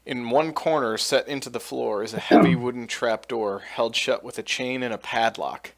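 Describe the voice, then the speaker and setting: A man running a tabletop game as dungeon master, narrating scenes in a slow, measured way. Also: mid-range voice.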